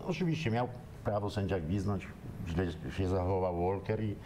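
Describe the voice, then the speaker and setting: A man's voice: low-pitched, moderate pace, noisy background. An older man, a football pundit in a studio talk show, searching for words with hesitations.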